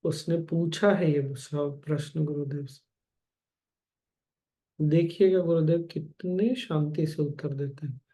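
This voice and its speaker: A man giving a gentle spiritual discourse as a teacher, calmly addressing his listeners directly. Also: on the high side, slow.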